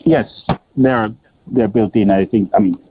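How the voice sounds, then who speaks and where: Low-voiced executive man on phone line. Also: slightly rough. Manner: halting, repeats words, explanatory. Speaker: company executive answering analyst questions. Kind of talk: spontaneous earnings call answers. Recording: muffled, narrow-band phone conference line.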